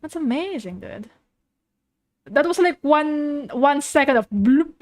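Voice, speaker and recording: A woman's voice: high-pitched, expressive, takes it slowly, no echo. A woman VTuber giving casual, exclamatory reaction commentary with informal swearing, recorded close in a dry room. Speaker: VTuber host.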